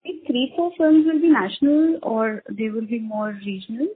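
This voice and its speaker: A woman's voice: on the high side, animated, normal speed, slight background noise. A woman calling in to ask unscripted questions on an investor conference call. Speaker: caller asking questions. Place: telephone call. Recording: muffled narrow phone line.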